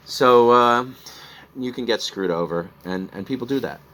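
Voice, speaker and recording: This online reseller, a man with a Midwestern American accent, casually recaps his sales at a normal speed in a medium-pitched, slightly bright voice. He rambles along chattily, chuckling at himself.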